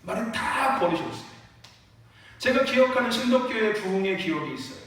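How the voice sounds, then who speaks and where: A man preaching a sermon in a church, animated, often rising to shouts and calling for amens. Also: high voice, a little fast. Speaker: pastor. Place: church sanctuary. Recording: echoey church hall from far off.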